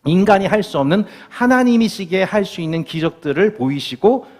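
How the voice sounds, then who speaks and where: Lively man preaching in a reverberant church. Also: high voice, fairly quick. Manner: asks the congregation questions, playful and animated. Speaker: pastor. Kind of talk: sermon. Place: church sanctuary.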